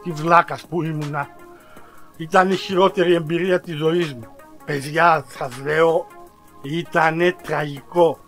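A man vlogging in a casual storytelling style, animated and self-mocking, who talks straight to his viewers with slang and big exaggerated outbursts. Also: a little high, over music.

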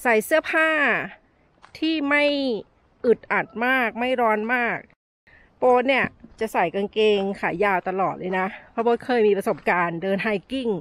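Walking a sunny desert canyon trail, a middle-aged travel vlogger films herself at arm's length on a handheld camera and shares friendly hiking tips. Her slightly high voice has lively intonation at normal speed, softened by sentence-final particles. She sounds a little out of breath in this casual walk-and-talk vlog.

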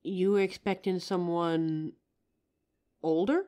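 Woman playing a low-pitched earnest young psychic. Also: steady tone, takes it slowly, dark tone, clear, resonant tone. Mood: polite, assured. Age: young adult. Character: young female psychic, earnest, confident and helpful. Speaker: voice actor in a roleplay audio drama. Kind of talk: scripted roleplay audio acting, addressing the listener.

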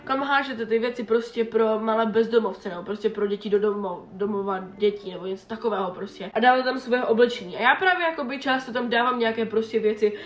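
A young woman vlogger chatting in an animated, exasperated way while doing her makeup. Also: fairly high pitch, hardly any pauses. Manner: animated, exasperated retelling with quoted dialogue. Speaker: beauty vlogger. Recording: echoey room with faint background music.

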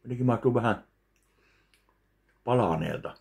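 A man in his thirties giving a slow, deadpan review of a meal while eating at home in his kitchen. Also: mid-range voice, creaky. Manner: slow, deadpan, pauses between bites. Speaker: food vlogger. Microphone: webcam at close range.

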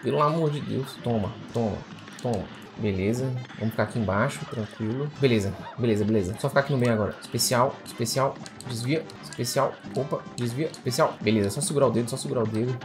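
Fast-talking Brazilian man gaming. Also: medium pitch, over music. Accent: Brazilian Portuguese. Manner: excitable, repeats exclamations in bursts. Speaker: gamer. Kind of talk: let's play commentary.

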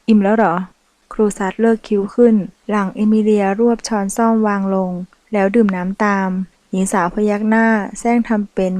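A woman narrating a romance novel in a steady, even storytelling delivery, recorded close to the mic. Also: mid-range voice, dry recording. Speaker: audiobook reader.

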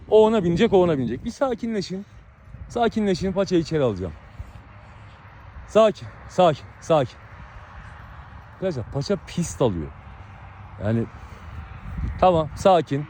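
Man shouting commands at fighting dogs. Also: fairly high pitch. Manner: urgent, repeated commands to calm dogs. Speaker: dog breeder vlogger. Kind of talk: live commentary while separating fighting dogs. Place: outdoors in a dog yard. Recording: outdoor recording with dog noise.

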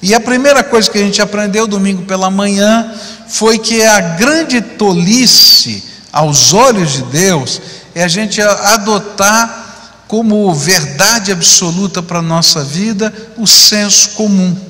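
A middle-aged pastor takes his time on a large church auditorium stage, his high voice pushed and bright through a handheld mic. He preaches in a conversational way, often adding tag questions, and the hall gives a long reverb.

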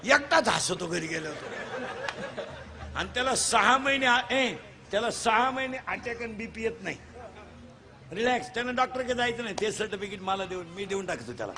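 Give me a high, bright-voiced preacher telling comic stories. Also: male voice, expressive, moderate pace. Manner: storytelling with acted-out character voices, shouting punchlines. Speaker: kirtan preacher. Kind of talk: comic kirtan sermon.

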